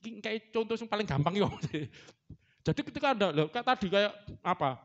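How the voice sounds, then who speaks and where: A middle-aged man gives a sermon in a church hall, his voice fairly high and swinging widely in pitch. He jokes with the congregation and breaks into animal sounds. The recording is slightly dull and lo-fi. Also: lively intonation, brisk. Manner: playful, joking with the congregation and imitating animal sounds. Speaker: pastor.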